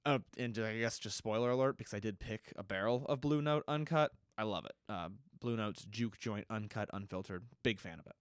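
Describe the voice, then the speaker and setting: Man, podcast host, stuffy nose, casual rambling answers, smooth voice. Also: on the low side, lively intonation, a little fast, few pauses, dry recording, clean studio sound. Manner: rambling, frank, with many fillers and restarts. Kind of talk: casual listener Q&A.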